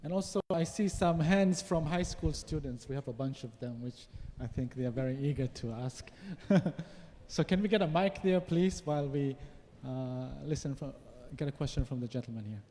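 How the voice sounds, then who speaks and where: A man's voice: a little high, moderate pace, dark tone. A man moderating a question session, directing microphones and summing up questions for the panel. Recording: reverberant hall.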